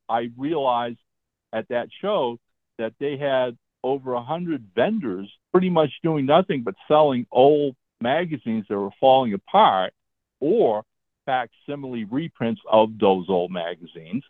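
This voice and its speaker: A man's voice: mid-range voice, lively intonation, a little slow, no echo. A man in his seventies, a comic book writer, telling stories about his career as a guest in a casual interview. He talks in a chatty way and keeps checking in with "all right?". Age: 70s. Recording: tinny phone-line sound.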